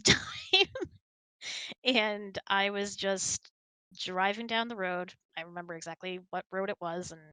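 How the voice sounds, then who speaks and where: A woman in her thirties chats casually as a host fielding questions. Her voice is bright and medium in pitch, with a giggly edge. The sound is close and dry. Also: clear, resonant tone, no room sound. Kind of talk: casual chat, reading out and answering questions. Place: indoors, close and dry online voice hangout.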